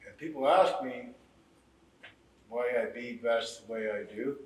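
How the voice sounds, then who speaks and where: A man, a bead artist and mentor, speaking slowly and reflectively to a gathered group, with pauses and repeats. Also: mid-range voice. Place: indoor exhibit hall. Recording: roomy, from far off the mic.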